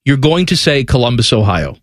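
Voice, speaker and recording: A man's voice: mid-range voice, big pitch swings, brisk, no room sound. A man co-hosting a sports radio show in a studio, talking in an opinionated, jokey way. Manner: opinionated, jokey, slips into mocking voices. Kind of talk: casual sports radio chat.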